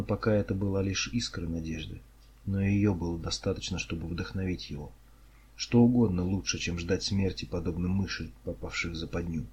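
A man narrating an audiobook in a steady, dramatic reading style. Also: sits low, breathy edge, highs cut off. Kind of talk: scripted narration.

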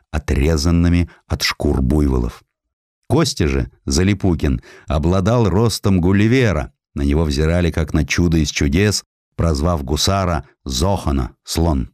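Guy narrating a history audiobook, super deep voice, really dry sound, measured but expressive. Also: no room sound. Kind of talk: scripted narration of a historical sketch.

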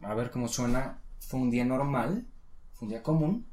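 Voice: mid-range voice, lively intonation, moderate pace, warm tone. A patient, encouraging teacher giving a one-on-one English lesson, modeling pronunciation and explaining in Spanish.

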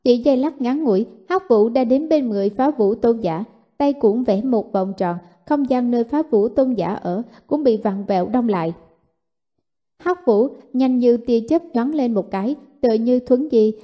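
A woman narrating a martial fantasy novel in steady, even storytelling. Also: a little high. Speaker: audiobook narrator.

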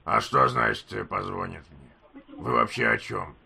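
A man in casual phone banter, deadpan and mocking, stalling and repeating his words as he goes. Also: lowish voice, a little slow, vocal fry. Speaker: prank-style answerer of collection calls.

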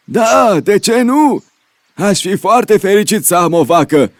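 A man voicing a cheerful, generous old man who is eager to trade, talking in a polite and excitable way. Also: high voice, a little hiss or hum. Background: background music.

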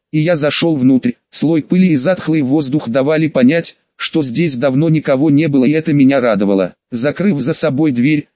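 A man with a somewhat high voice narrates a first-person science fiction audiobook in a wry, conversational tone. The sound is dull and lo-fi, recorded dry and close with no room. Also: dark tone, no echo.

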